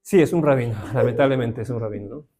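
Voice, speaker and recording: Talking fast in a dark-toned, mid-range voice, a man from Peru with a Peruvian Spanish accent runs an informal Bible lesson. He speaks conversationally and checks in with listeners through frequent tag questions.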